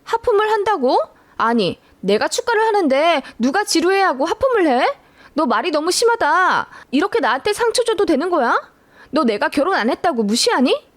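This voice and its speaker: A woman's voice: very animated, normal speed, dry recording. A woman voicing a spoiled, touchy future sister-in-law who bursts out indignantly. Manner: shrill, indignant outburst.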